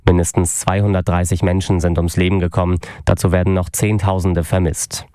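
Male newsreader, deep and warm, steady formal delivery, close dry studio sound. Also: fairly quick, clean tone, dry recording. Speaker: news anchor. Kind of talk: radio news reading.

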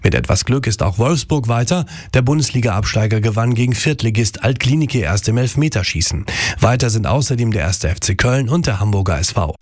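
A man reading a radio news bulletin in an even, formal way. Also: medium pitch, fairly quick, dry recording, studio quality. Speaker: newsreader.

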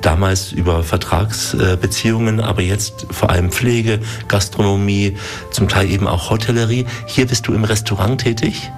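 A man hosting a radio travel show, calmly asking questions and reading narrated links. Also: lowish voice, faint music behind. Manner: calm, measured questioning with scripted link narration. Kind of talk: radio reportage and interviewing.

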